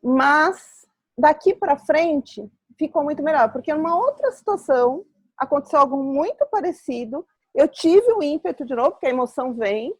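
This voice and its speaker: A Brazilian woman with a fairly high voice hosts a live webinar over a video call. She explains earnestly and reflectively, drawing on her own experiences. The sound is dry and close, with no room echo. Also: expressive, normal speed. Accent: Brazilian Portuguese. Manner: earnest, explanatory, personal examples. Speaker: webinar host.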